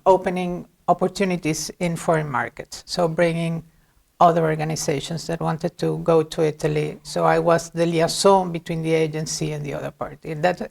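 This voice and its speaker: A woman's voice: lowish voice, vocal fry, darkish tone. A middle-aged woman from Venezuela, a guest in an interview, giving long reflective answers with frequent hesitations. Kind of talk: conversational interview.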